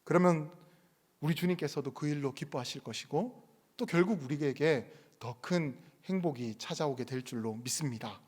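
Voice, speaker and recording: A man preaches in a sanctuary, his voice sitting a little high for a man. He talks through his points like a chatty story, then presses his listeners with earnest urging. Long reverb from the hall trails behind each phrase. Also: moderate pace, a little mellow, slightly rough. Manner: conversational storytelling, rising to earnest exhortation. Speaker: pastor. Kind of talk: sermon. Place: church sanctuary.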